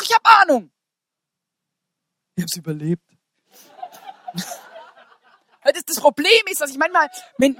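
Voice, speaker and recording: A woman. She speaks casually and with humor, moving from soft asides to shouted declarations. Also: high-pitched, no echo, clean studio sound. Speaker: preacher. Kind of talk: lively sermon to a congregation.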